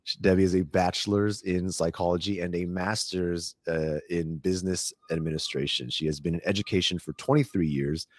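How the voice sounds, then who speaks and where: A man with a very low voice hosts a podcast, talking in a relaxed, chatty way and often pausing on fillers and restarting his sentences. He sounds close to the mic in a dry, dead room with no echo. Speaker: podcast host. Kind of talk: podcast interview.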